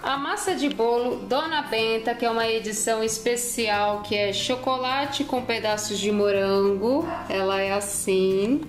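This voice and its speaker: A woman's voice: a little high, unhurried, hardly any pauses. A woman explaining a recipe off camera. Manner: prompting, explanatory. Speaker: off-camera helper and co-host. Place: home kitchen. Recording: echoey kitchen with background music.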